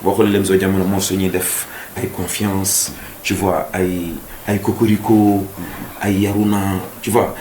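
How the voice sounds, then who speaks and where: A man's voice: deep voice, level tone, a little slow, warm tone. A man, a singer, talks earnestly as an interview guest, switching between French and Wolof. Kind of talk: casual interview chat. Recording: echoey room with faint noise.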